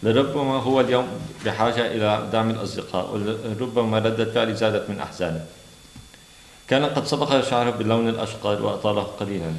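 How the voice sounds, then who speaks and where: A man with Arabic as his first language speaks as an author at a literary reading. His voice is low and gravelly with creak. The room adds a noticeable echo around him. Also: very fast. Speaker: novelist reading from his own book. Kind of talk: author reading and commenting at an event. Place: indoor literary venue. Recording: roomy echo, faint background noise.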